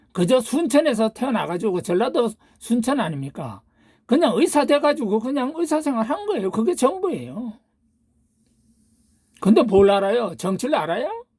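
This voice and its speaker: Older woman ranting with lively pitch. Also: husky, dry recording, studio quality. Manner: ranting, full of rhetorical questions and insults. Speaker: channel host. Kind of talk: political monologue.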